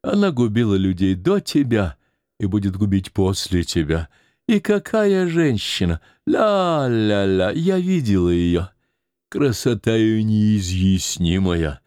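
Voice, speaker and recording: A man reading an audiobook voices a grieving 86-year-old nurse who laments and scolds in a high, quavering voice. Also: a little mellow, dry recording, clean studio sound. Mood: rambling. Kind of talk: audiobook character voice.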